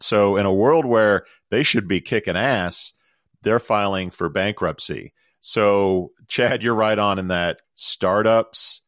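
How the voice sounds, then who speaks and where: A man's voice: low-pitched, a bit bright, no echo, clean studio sound. A middle-aged man co-hosting a podcast, reading news items and riffing on them with wry puns and emphatic repetition. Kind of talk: casual banter and news commentary.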